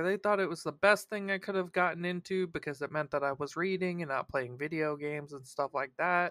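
The recording is very clean with a silent background. The pace is moderate. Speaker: podcast co-host. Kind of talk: casual chat.

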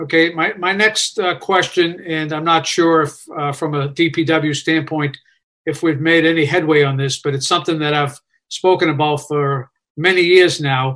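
With a bright, sharp tone and fairly even intonation, a man speaks at a moderate pace and a fairly high pitch. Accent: American. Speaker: city councilor. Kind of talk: public budget meeting. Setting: video call.

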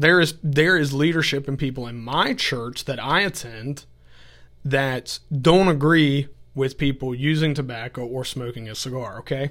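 With a Virginia accent, a man talks at a fairly high pitch and with fairly even intonation, in a very clean recording with a silent background. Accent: Virginia Southern US. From US South, Virginia (Augusta County, Shenandoah Valley). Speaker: podcast host and chaplain. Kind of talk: casual religious podcast monologue. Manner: hesitant with fillers.

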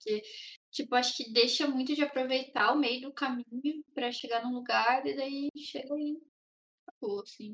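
A woman talks with a high pitch. Her loudness swings widely. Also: ordinary pitch variation, moderate pace. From Brazil. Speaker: singer and voice teacher. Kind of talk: casual chat.

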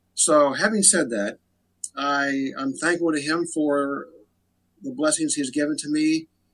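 At a fairly slow pace, a man talks at a fairly high pitch with ordinary pitch variation. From western Maryland. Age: 60s. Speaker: patient interviewee. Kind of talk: interview. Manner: halting, many fillers.

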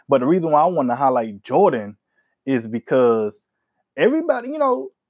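An animated man speaks in a fairly high voice. The sound is dry and close, with no echo. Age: 20s. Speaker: podcast host. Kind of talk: casual solo podcast monologue.

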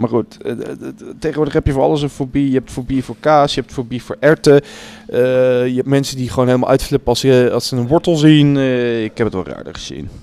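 At a very fast pace, a man with a medium pitch talks with big swings in loudness. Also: ordinary pitch variation. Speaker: podcast co-host. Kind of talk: casual chat.

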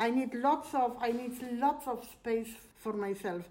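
In a Polish accent, a woman with a high pitch speaks at a moderate pace with lively intonation, and the room echo is audible. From Poland. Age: 50s. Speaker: bookbinder and designer. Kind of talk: interview. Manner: halting.

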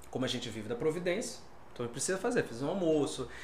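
Lively intonation marks a somewhat breathy man's voice, heard with audible room echo. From Brazil, São Gonçalo (Rio de Janeiro). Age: 30s. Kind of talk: casual interview.

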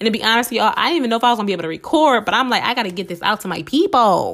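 At a very fast pace, a woman with a fairly high pitch speaks in very wide pitch swings. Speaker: podcast host. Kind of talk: casual self-help monologue. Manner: fast talker; animated.

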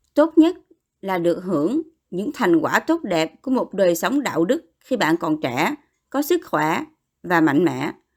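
A woman's calm, medium-pitched voice with very wide pitch swings. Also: moderate pace. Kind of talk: audiobook reading aloud of a Buddhist teaching text. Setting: recorded audiobook, solo narrator. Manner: even, steady, measured narration; formal, calm and instructive, with few pauses between sentences.

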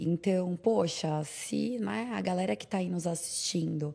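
A woman speaks very slowly at a medium pitch, her tone dark and mellow and somewhat breathy, on a very clean recording with a silent background. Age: 30s. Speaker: diversity and inclusion manager. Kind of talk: podcast interview.

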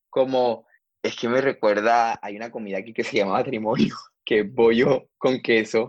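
A man with a coastal Colombian accent, fairly even intonation and a moderate pace. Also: medium pitch for a man. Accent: Colombian coastal (costeño) Spanish. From Barranquilla, Colombian Caribbean coast. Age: 20s. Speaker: communications professional. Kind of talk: casual chat.

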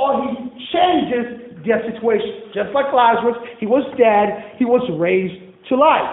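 Over noticeable background noise, a man with an extremely high pitch speaks at a fairly slow pace, his tone animated and his intonation lively. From Nigeria. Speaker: pastor. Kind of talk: sermon, preacher in full flow with call-and-response and code-switching humor. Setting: church with congregation. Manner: animated, emphatic, conversational and exhortative.

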